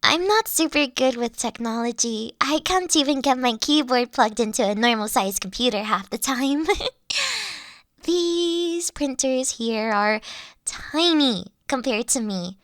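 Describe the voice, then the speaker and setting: Woman voicing a bashful nerdy dragon girl, high-pitched. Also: expressive, a bit bright, no echo, studio quality. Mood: eager, flustered. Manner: bashful, earnest, halting, giggly. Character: shy, nerdy, self-deprecating big young female dragon student. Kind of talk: intimate one-sided character audio roleplay.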